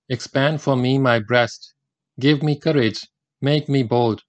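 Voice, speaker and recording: An older man from India, whose first language is Gujarati, gives a formal religious lecture in a measured, deliberate way. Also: mid-range voice, no echo. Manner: measured, deliberate delivery with Quranic recitation.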